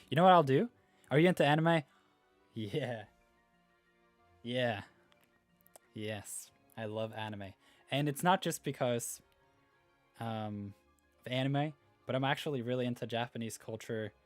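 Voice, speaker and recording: Speaking at a medium pitch with no audible room sound, this Norwegian-accented man runs a gaming livestream. His talk is relaxed and meandering as he goes through comments from viewers.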